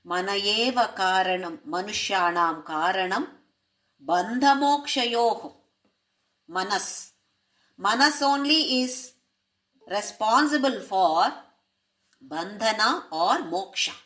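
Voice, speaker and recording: Slow, measured woman teaching scripture. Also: mid-range voice, expressive, a bit bright. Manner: asks rhetorical questions to listeners; uses Sanskrit terms. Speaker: spiritual teacher. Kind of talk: explaining a spiritual text.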